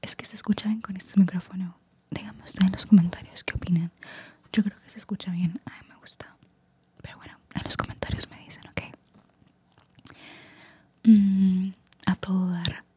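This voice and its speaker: A woman's voice: mid-range voice, steady tone, moderate pace, pauses often, warm tone. A woman whispering ASMR-style into a close singing microphone, explaining slang and mixing in English words. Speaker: vlogger teaching slang.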